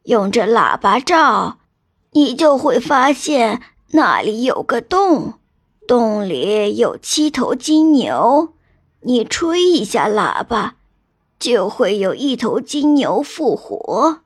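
A woman doing a gentle white-bearded old man. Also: fairly high pitch, very animated, husky, dry recording, clean studio sound, exaggerated voice. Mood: kindly. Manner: slow, soothing, drawn-out. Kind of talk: storybook narration.

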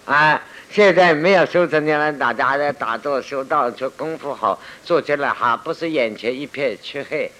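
A man teaching Buddhism to a seated audience, telling it lively, acting out cries and scolding his listeners. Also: mid-range voice, normal speed, hardly any pauses. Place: lecture room with listeners.

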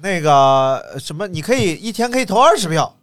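Animated man telling stories, laughing. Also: sits high, normal speed. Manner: animated storytelling, laughing often. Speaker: podcast co-host. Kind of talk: casual chat. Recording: faint background music.

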